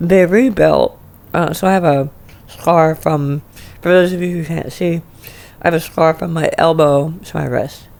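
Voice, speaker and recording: A woman with a fairly low pitch and fairly even intonation, at a fairly slow pace with long, frequent pauses, against noticeable background noise. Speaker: cancer survivor. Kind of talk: interview. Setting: studio.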